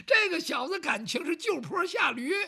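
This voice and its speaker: A storyteller voicing a sharp-tongued young servant lad. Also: extremely high pitch, big pitch swings, normal speed, gravelly, pitched above the performer's own voice, exaggerated voice. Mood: fretful. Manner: complaining, exclaiming, loud and agitated.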